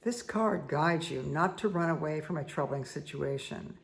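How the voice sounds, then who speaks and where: Hoarse middle-aged woman, heavy vocal fry, slow repetitive spiritual card-reading delivery. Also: deep voice, slight background noise. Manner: slow, soothing, repetitive guidance with asides. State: hoarse, croaky voice. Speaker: spiritual reader and meditation guide. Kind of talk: casual spoken card reading.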